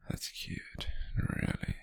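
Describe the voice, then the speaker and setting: Man playing obsessive British male stalker, breathy close-up whisper, very slow lingering pace, menacing tenderness, ASMR roleplay. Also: dry recording. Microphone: very close, dry microphone.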